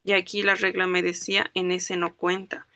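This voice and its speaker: Woman, language teacher, bright clear voice, dry close sound, patient step-by-step explaining. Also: on the low side, completely flat delivery, moderate pace, no room sound. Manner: explains step by step, checks understanding with frequent questions; spells out words syllable by syllable. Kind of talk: online class lecture.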